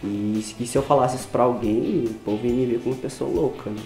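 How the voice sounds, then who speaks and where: Measured 32-year-old Brazilian man. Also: medium pitch, warm tone, faint music behind. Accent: Brazilian Portuguese. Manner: practical, measured. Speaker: interviewee. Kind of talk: casual personal storytelling. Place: studio against grey wall. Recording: roomy room sound.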